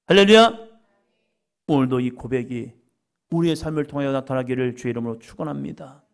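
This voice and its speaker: A middle-aged man preaching a sermon as pastor, acting out dialogue with sudden loud, emphatic rises. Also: fairly high pitch.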